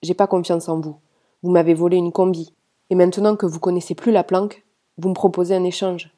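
A woman's voice: lowish voice, level tone, a little fast, warm tone, close to an everyday voice. A woman reading the lines of a distrustful teenage boy from a gang, blunt and slangy, in an audiobook. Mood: defiant.

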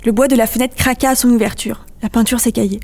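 A woman reading aloud her own eerie first-person story, with measured storytelling. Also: on the high side, steady tone, a little mellow.

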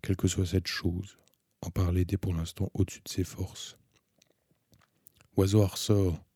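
A man narrating a literary audiobook in a slow, measured, subdued manner. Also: low-pitched, completely flat delivery, vocal fry, a little mellow, breathy edge, no room sound, studio quality.

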